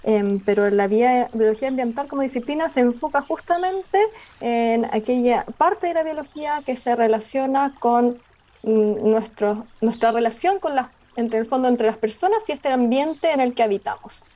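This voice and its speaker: A young Chilean woman, a biologist, answering interview questions in a thoughtful, halting way with many fillers and restarts. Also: fairly high pitch, warm tone. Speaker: biologist guest. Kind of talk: radio interview conversation.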